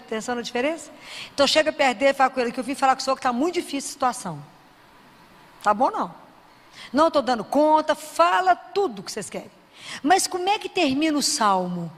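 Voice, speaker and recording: A middle-aged woman with a Brazilian Portuguese accent gives an informal sermon, talking conversationally and quizzing her listeners with questions. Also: high-pitched. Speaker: faith speaker. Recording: long reverb, hall-like.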